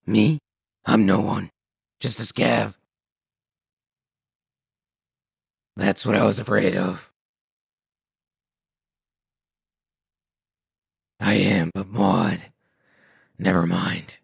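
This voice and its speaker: A man voicing a weary, bitter, self-deprecating ghoul scavenger in a video game, raspy and gravelly, with grudging, halting delivery. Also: low-pitched, little pitch movement, dry recording, heavily acted. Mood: wary, resigned. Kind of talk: video game dialogue acting.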